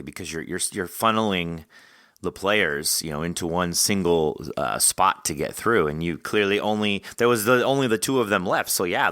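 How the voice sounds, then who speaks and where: A man's voice: low-pitched, pushed and bright, dry recording, studio quality. A man hosting a podcast, chatting casually and in a rambling way with his guest. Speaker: podcast host. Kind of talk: casual conversational interview.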